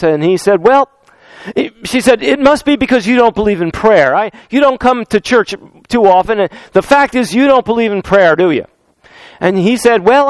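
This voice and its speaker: A man with a fairly high, smooth and resonant voice, preaching a sermon. He weaves in stories and scripture and draws out key phrases for emphasis. The sound is close and dry. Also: no echo. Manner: storytelling with anecdotes and scripture, slows down for emphasis. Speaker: pastor.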